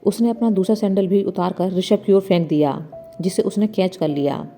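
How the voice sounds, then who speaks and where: Reading a story aloud at normal speed, a woman with a mid-range voice narrates and gives the figures' dialogue light changes in tone. A soft music bed sits behind her scripted narration.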